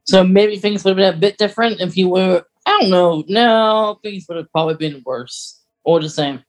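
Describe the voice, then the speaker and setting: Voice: mid-range voice, moderate pace. A podcast co-host in a casual, conversational fan discussion.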